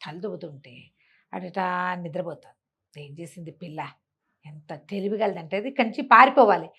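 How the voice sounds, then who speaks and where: A woman's voice: lowish voice, moderate pace, fairly bright tone, slightly rough, muffled recording. A woman telling an oral story in a colloquial, conversational way, putting rhetorical questions to her listener.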